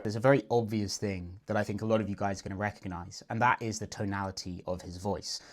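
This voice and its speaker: A man's voice: fairly low pitch, fairly even intonation, quick pace. A man working as a dating coach, confidently explaining and breaking down a client's approach. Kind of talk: video breakdown commentary.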